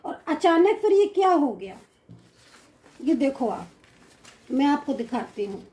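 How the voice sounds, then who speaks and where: A woman with an Indian accent giving a general tarot reading to her viewers, mixing English words into Hindi, with many pauses and reassuring asides. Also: high voice, sing-song, a little mellow. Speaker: tarot card reader.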